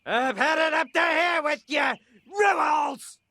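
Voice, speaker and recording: A man voicing an irate, impatient cartoon police trainee with a shrill voice. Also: slow pace, dry recording, heavily acted. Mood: shouting, impatient. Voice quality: shrill, sharp.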